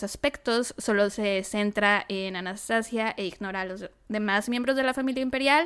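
This is a woman with an ordinary speaking voice. Her pitch is fairly high, with ordinary pitch variation. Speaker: true crime podcast co-host. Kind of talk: casual storytelling chat.

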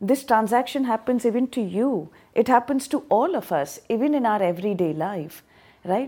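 A woman's dark, mellow tone at a fairly high pitch, on a very clean recording with a silent background. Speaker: professor and translator. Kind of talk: interview.

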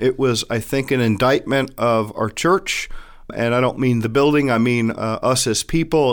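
An unremarkable speaking voice with an American accent, at a moderate pace with ordinary pitch variation, in a very clean recording with a silent background. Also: man. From US South, Miami. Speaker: financial advisor. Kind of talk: interview.

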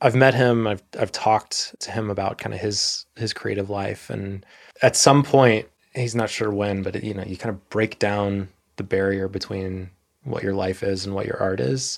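A man speaks in a plain, everyday voice with a fairly low pitch. His pace is moderate, and his pitch varies in an ordinary way. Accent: American. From West Texas (Amarillo, Texas Panhandle). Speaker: musician and photographer. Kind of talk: casual interview.

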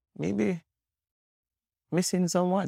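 This is a man speaking. He has a strong Jamaican accent. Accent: thick Jamaican. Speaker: barber. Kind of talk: interview.

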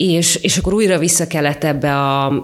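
A woman at a fairly slow pace with ordinary pitch variation, over noticeable background noise. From Hungary, Mezőberény (Békés county). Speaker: actress. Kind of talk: casual interview.

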